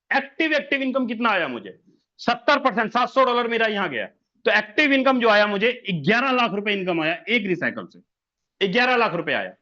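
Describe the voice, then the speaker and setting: Male presenter with a bright, forceful voice, drilling sums and quizzing listeners as sir on a muffled online call. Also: high voice. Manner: repeats figures, fires rhetorical questions, keeps saying sir. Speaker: business presenter. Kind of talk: sales presentation over an online meeting.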